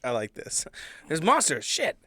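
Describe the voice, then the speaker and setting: A man's voice: fairly high pitch, wildly swooping pitch, measured pace, bright, forceful tone, dry recording. A man chatting casually and jokingly as a player in a tabletop game. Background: background music.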